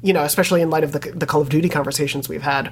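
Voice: mid-range voice, steady tone, racing, a little hiss or hum. Rambling podcast host leading a panel. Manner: rambling, many restarts, leads questions. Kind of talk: casual panel discussion.

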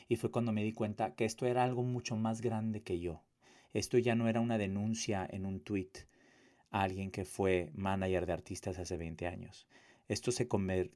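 This man's voice is deep and a little mellow. Speaking as an activist who survived abuse, he delivers an emphatic testimony about his own life, using repetition and asking rhetorical questions.

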